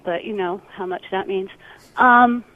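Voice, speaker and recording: A woman from New York City leaving a conversational voicemail message for a podcast, with many pauses and ums, heard over a phone line. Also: mid-range voice. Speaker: caller.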